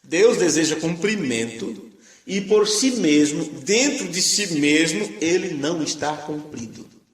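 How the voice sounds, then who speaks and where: With audible room echo, a man speaks in a fairly high voice whose pitch swings very widely. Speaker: preacher. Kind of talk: sermon.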